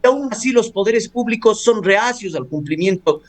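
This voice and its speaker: A man, a law professor giving formal, measured analysis in a radio interview, pausing with hesitations. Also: sits high, expressive. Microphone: studio or phone radio interview.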